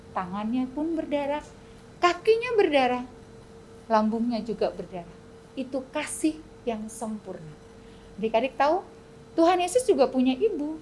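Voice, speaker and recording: A woman teaching Sunday school, telling a dramatic story to children, swinging between loud and hushed. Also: a little high, slight background noise.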